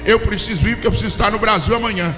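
A man's voice: sits high, rapid-fire. A man in his forties with a Brazilian Portuguese accent, preaching a sermon on a handheld mic and telling stories with humor. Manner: preaching with storytelling and humor, hand-held mic, animated gestures. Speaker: pastor. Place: large church hall with a packed congregation. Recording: echoey hall with crowd hum.

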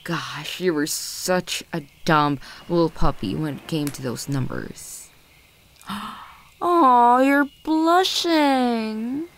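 A woman playing a possessive, manipulative ex-girlfriend in an ASMR audio roleplay, condescending and volatile, with teasing, lingering, breathy delivery. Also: lowish voice, extremely slow. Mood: teasing, intimate. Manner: condescending, teasing, lingering on words, often breathy half-whispers.

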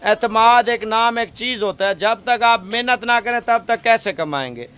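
A young man from Pakistan, making a persuasive selling pitch to camera from an outdoor goat pen, filmed on a phone held at arm's length. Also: normal speed, a bit bright. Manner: persuasive, salesy, heavy religious fillers. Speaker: goat farm seller.

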